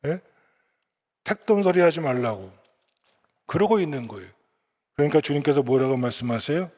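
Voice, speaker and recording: A man's voice: on the high side, lively intonation, moderate pace, a little mellow, in a large hall. A male pastor with a Gyeongsang accent preaching a sermon and quizzing the congregation with repeated questions. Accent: Gyeongsang Korean.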